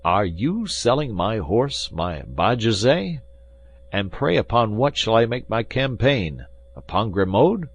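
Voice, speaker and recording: A man's voice: sits low, very animated, unhurried, full character voice. A man voicing a proud, hard-drinking musketeer who talks in a commanding, dry and ironic way. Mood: indignant. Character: world-weary drinking male musketeer, proud and sardonic. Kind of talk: audiobook character reading.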